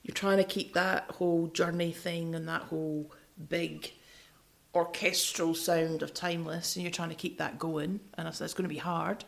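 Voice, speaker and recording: Creaky, low-voiced woman. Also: flat delivery, moderate pace. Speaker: music podcast co-host. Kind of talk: casual music discussion.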